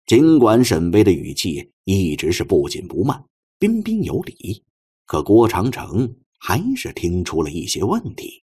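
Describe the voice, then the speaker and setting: A man narrating a novel as an audiobook, in an expressive scripted storytelling style. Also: sits low, measured pace, slightly rough.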